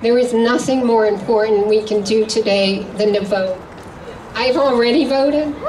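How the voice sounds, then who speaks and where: A woman's fairly high voice at a moderate pace, with ordinary pitch variation, very even loudness and noticeable background noise. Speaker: conservation director. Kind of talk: rally speech. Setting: outdoors.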